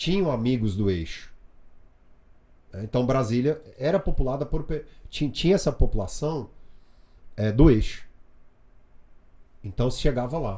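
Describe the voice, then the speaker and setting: Using lively intonation, a man with a medium pitch and a dark, mellow, somewhat breathy tone speaks with long, frequent pauses. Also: fairly slow pace. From Brazil, Goiânia (Goiás). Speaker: Portuguese language expert and writer. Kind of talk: podcast interview.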